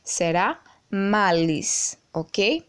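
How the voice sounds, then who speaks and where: Woman, Brazilian accent, teacher, video lesson, slow unhurried pace, patient explaining. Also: mid-range voice, lively intonation, smooth. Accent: Brazilian Portuguese. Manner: slow, patient explaining with frequent "certo?" checks. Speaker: school teacher.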